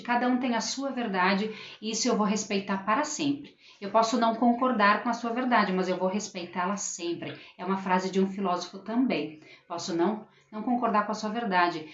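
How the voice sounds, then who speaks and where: Streaming casually from her home, a middle-aged woman who teaches school speaks in a medium-pitched, slightly bright voice. Earnest in manner, she addresses her audience directly and reads out their comments, and the audio is roomy, dull, and lo-fi.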